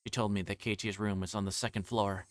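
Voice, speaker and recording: A man's voice: fairly low pitch, level tone, fairly quick, a little hiss or hum. A man streaming a game, reading its narration aloud in a dramatic way, with game music behind him.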